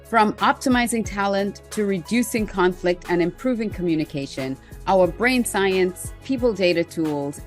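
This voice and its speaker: A woman from Trinidad with a Trinidadian accent, hosting a podcast interview with enthusiastic, emphatic delivery. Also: lowish voice. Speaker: podcast host.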